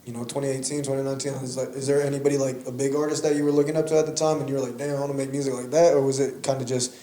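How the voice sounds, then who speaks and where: A young man hosting a podcast, asking relaxed slangy questions and backing up his guests. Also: medium pitch, very fast, roomy sound. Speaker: podcast host. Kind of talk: casual podcast interview.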